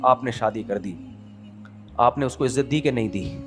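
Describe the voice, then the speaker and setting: A man's voice: medium pitch, faint music behind. A middle-aged man from Pakistan giving a conversational sermon, throwing rhetorical questions at his listeners and acting out small everyday dialogues. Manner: animated, asks the audience rhetorical questions and acts out little dialogues. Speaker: Islamic preacher.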